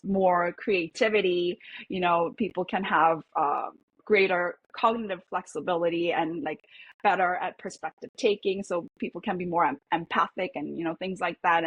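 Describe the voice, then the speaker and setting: A woman psychologist, a native Korean speaker, talks things over in a reflective, hesitant way, full of fillers and restarts. Her voice is husky and fairly low. The sound is dry and close. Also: no room sound, dull audio. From South Korea. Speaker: psychologist guest. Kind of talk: podcast interview.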